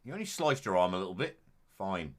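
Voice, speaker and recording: Animated Black Country man streaming a game. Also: deep voice, fairly quick. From English Midlands. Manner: rambling, joking, animated. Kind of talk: casual let's play commentary.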